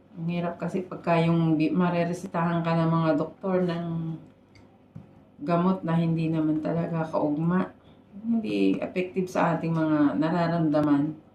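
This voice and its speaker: A woman with a fairly low pitch speaks at a moderate pace, and audible room echo surrounds her voice. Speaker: vlogger. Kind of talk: casual vlog talk. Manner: hesitant with fillers.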